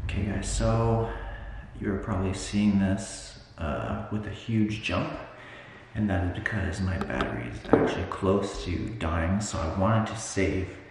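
A man in his twenties talking to his camera in a nervous, hushed way for a night challenge vlog. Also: low voice. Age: 20s. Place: small rooms indoors at night. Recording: echoey small room with loud noise.

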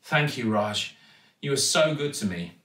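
A man's voice: mid-range voice, expressive, unhurried, fairly bright tone. A man voicing a small, flustered young girl who speaks hesitantly and awkwardly. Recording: echoey, distant mic.

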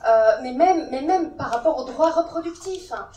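A woman of Italian origin, a panelist at a round-table discussion, speaking forcefully and urgently into a handheld mic. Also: high-pitched, expressive, normal speed, slight background noise. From Italy. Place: large conference hall. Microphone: handheld mic, filmed from far. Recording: echoey hall from far off.

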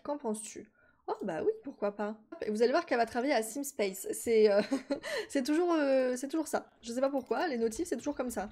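A woman, chatting casually as she plays a life-sim game, talking to her characters and her viewers and quick to exclaim at what she sees. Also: a little high, a little mellow. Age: 20s. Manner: quick exclamations of delight and confusion. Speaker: gaming YouTuber. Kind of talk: casual Let's Play commentary.

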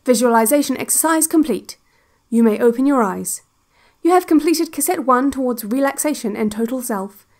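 An actress playing a calm, cryptic female narrator of an institute's relaxation cassette, speaking in deliberate, hypnotic phrases. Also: high voice. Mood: calm, instructive. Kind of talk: scripted guided-meditation narration.

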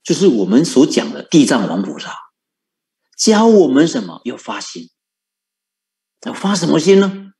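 A man's voice: on the high side, wildly swooping pitch, moderate pace, long pauses, a little mellow. A man giving a Buddhist sermon, coaxing his listeners with repeated rhetorical questions and frequent chuckles. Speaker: Buddhist monk teaching.

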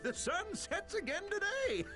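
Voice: very high-pitched, big pitch swings, measured pace, music in the background, full character voice. An actor voicing a pompous little video game creature with an old-man voice, boasting of manliness between hearty laughs. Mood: boastful, theatrical. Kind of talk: exaggerated video game character acting.

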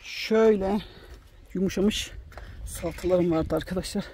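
A woman's voice: normal speed, warm tone, a little hiss or hum. A woman vlogging casually to her viewers outdoors in a farmyard, chatting along and cooing fondly at her chickens. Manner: chatty, coos affectionately at her chickens in a higher voice. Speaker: village life vlogger. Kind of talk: casual vlog chat to viewers.

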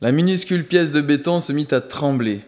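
A man reading a novel aloud as an audiobook narrator, at a steady, even pace. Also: fairly high pitch, brisk, long reverb tail. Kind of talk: scripted narration.

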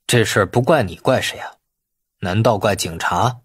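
A man voicing a cold, menacing killer with an icy, deliberate, threatening delivery in an audiobook. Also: lowish voice, slightly rough, no echo, clean studio sound. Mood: cold menace. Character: cold, menacing male killer bent on revenge.

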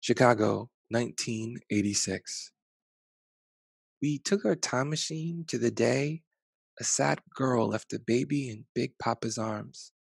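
A man in his forties reading a picture book aloud as its author, with expressive, deliberate phrasing. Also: medium pitch, gravelly, breathy edge, no echo. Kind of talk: expressive storybook narration. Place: small bedroom at home. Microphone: headset.

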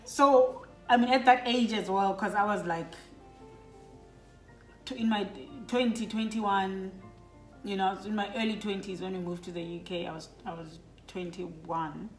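A woman's voice: medium pitch, fairly even intonation, normal speed. Chatty middle-aged woman, roomy echo. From Lesotho. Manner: chatty, reflective storyteller with frequent fillers. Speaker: vlogger talking with her children. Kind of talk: casual family chat. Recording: roomy echo with faint background music.

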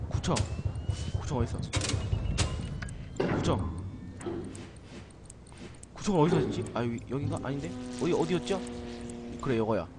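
A man giving let's play commentary with a playful, cocky manner, explaining each step to viewers and jokingly scolding the game's citizens. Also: mid-range voice. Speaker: gaming video host. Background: loud game music.

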